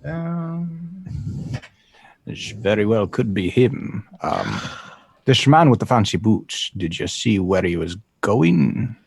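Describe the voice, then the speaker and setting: Low, gravelly man playing a tabletop game. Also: big pitch swings, slow pace, no room sound. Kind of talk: casual game-table chat.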